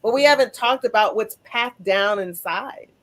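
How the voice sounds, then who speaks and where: A woman's voice: fairly high pitch, normal speed. A woman hosting a conversational interview podcast, speaking reflectively and building her thoughts step by step. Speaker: podcast host.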